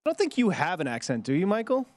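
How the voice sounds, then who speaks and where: Teasing sports radio co-host. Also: male voice, high voice, huge pitch swings, no room sound. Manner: quick interjections, teasing. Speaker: show co-host. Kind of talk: casual sports radio chat.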